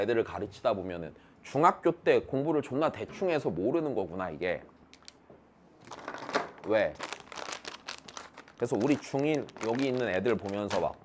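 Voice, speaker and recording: Male tutor in his thirties, blunt, crude classroom banter, lively pitch. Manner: joking, blunt and crude with students. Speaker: math academy teacher.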